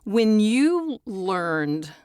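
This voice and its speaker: A woman hosting a casual interview, putting questions in a halting, tentative way. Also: mid-range voice, big pitch swings, darkish tone, no echo, studio quality. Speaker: podcast host.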